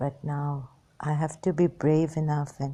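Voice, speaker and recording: A woman speaks very slowly at a very deep, low pitch. Her tone is dark and mellow, somewhat breathy. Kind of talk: casual monologue. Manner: halting.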